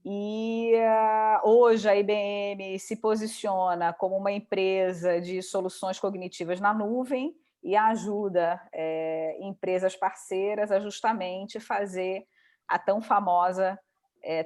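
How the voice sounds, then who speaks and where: A woman's voice: mid-range voice, steady tone, takes it slowly, a little mellow. A woman in her forties with a Rio de Janeiro Brazilian accent, a human resources director introducing herself on a panel.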